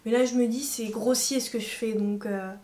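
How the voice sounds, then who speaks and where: A woman's voice: a little high, moderate pace. Chatty woman in an echoey room. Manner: slangy, animated, laughs often. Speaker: beauty vlogger. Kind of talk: casual makeup review chat.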